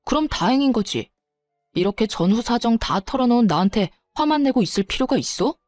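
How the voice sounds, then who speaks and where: A woman's voice: a little high, animated, a little mellow, dry recording, soft background music, lightly acted. A woman voicing a defensive, irritated young man who answers back sulkily and blames his partner. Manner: sulky, blaming, slows down when annoyed.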